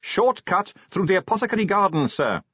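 A man's voice: high voice, sing-song, fairly quick, breathy edge, no echo, dull audio, voice pushed up, full character voice. A man voicing an earnest, unflappable young male watchman from a storybook, calling out politely and dutifully. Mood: earnest, matter-of-fact. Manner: dutiful, respectful, calling out loudly.

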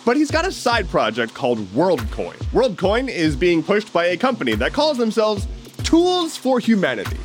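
A sarcastic American man in his thirties runs through the day's news in a high, lively voice that swings all over the place. He talks casually and drops dry, opinionated asides. Faint music plays underneath. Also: moderate pace. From United States. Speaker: news commentary host. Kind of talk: casual daily news commentary.

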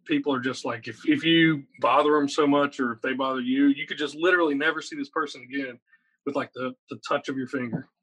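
A man in his thirties from Virginia, talking as a guest in a casual interview, rambling and energetic with lots of fillers. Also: mid-range voice, fast, husky, rough recording. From Virginia, USA. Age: 30s. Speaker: guest, metal guitarist.

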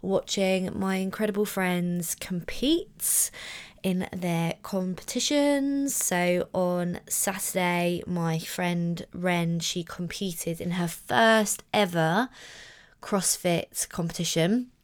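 Chatty woman, husky hoarse voice. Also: fairly low pitch, takes it slowly. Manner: chatty, rambling storytelling with fillers. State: hoarse from shouting. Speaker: podcast host. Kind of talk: casual solo podcast chat.

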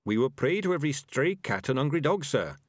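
A man voicing a gentle, thoughtful male rat in a storybook, speaking in a kindly, reflective and deferential way. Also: medium pitch, very animated, brisk, no room sound, clean studio sound, pitched above the performer's own voice. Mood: mild, reasoning.

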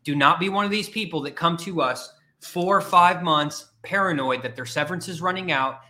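A man's voice: a little high, bright, forceful tone. A man speaking as a career coach in a blunt, emphatic motivational talk, repeating his points.

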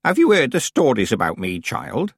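A man voicing a proud, sly old woman witch in an audiobook, with crisp, dramatic, genteel delivery. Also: on the high side, wildly swooping pitch, moderate pace, no room sound, clean studio sound, voice pushed up, full character voice. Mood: kindly, thoughtful. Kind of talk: audiobook character voice.

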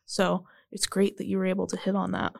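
A woman's voice: mid-range voice, monotone, fairly quick, vocal fry, darkish tone, dry recording, studio quality. A woman in her twenties, a pharmacy student, interviewing casually with friendly ums. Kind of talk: interview conversation.

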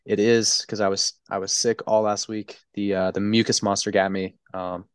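A congested man co-hosting a sports podcast, talking in a halting way full of restarts and stutters. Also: lowish voice, flat delivery, smooth, no echo, clean studio sound. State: congested, stuffy. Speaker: podcast co-host. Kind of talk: casual sports chat.

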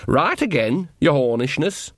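A man's voice: fairly high pitch, big pitch swings, measured pace, a bit bright, no room sound, studio quality, voice pushed up, heavily acted. A man voicing a shrewd, folksy old woman witch who talks bluntly and defiantly in a storybook reading. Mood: cheeky mock deference.

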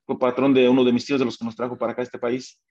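Mexican man, interview guest, lively anecdote teller who voices the people in his story, slightly muffled recording. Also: medium pitch, very fast. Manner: animated, acts out quoted dialogue, many fillers and restarts.

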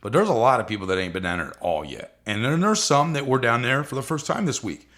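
Rough-voiced man hosting a racing podcast. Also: mid-range voice, animated, fast talker, a bit bright. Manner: loose, rambling, frequent fillers. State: scratchy, rough voice. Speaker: podcast host and drag racer. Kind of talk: casual solo podcast talk.

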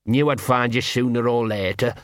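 A man's voice: mid-range voice, normal speed, dry recording, clean studio sound, natural voice. A man voicing a scruffy, nervous talking male dog who rambles on in broken grammar. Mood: rambling, nervous. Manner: rambling, ungrammatical, wheedling.

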